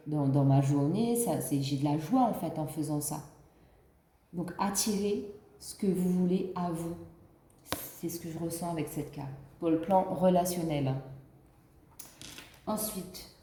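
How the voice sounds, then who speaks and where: A woman's voice: on the low side, dark tone, reverberant, slight background noise. A woman with the flu giving a casual spiritual card reading, rambling with many fillers and restarts. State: has the flu. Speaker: card reader.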